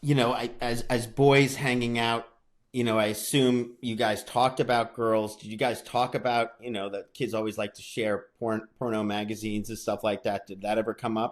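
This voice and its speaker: Big swings in loudness mark this man's speech in a New York accent, at medium pitch and a moderate pace. The recording is very clean with a silent background. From Staten Island, New York. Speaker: podcast host. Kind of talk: interview.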